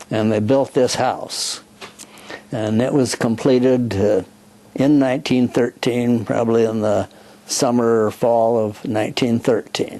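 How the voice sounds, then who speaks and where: With an American accent, a man speaks at a fairly slow pace and medium pitch. His intonation is monotone and flat, and there is noticeable background noise. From US Midwest, central Illinois (Morton). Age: 80s+. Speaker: retired highway engineer and farmer's son. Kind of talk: oral history interview.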